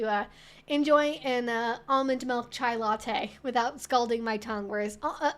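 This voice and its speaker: Chatty woman streamer w a pretty high voice, answering questions off the cuff, rambles a bit. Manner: chatty, rambling, thinking aloud. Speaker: livestream host answering viewer questions. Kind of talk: casual live Q&A chat, reading out viewer messages.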